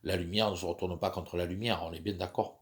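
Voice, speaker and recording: A man's voice: low voice, fairly even intonation, fast. A man in his fifties with a cold, talking in a rambling, hesitant monologue full of fillers and restarts. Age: 50s. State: stuffy from a cold. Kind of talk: personal monologue.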